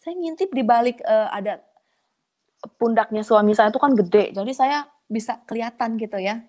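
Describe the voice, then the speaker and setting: A woman sharing a personal testimony in a casual, colloquial way, her voice leaping up when she gets excited. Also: normal speed. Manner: animated, pitch leaping up in excited moments; colloquial, chatty delivery addressing listeners as friends. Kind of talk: conversational testimony storytelling.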